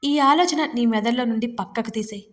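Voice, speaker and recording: A woman's voice: a little high, a little fast, long reverb tail, natural voice. A woman reading as an impatient, scolding young husband. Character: angry stubborn young husband refusing his wife.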